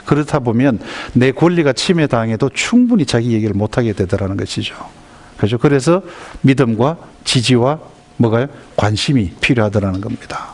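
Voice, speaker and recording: Lively male lecturer. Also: mid-range voice, brisk. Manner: lively, asks the audience questions. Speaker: lecturer on school violence prevention. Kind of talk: lecture to parents.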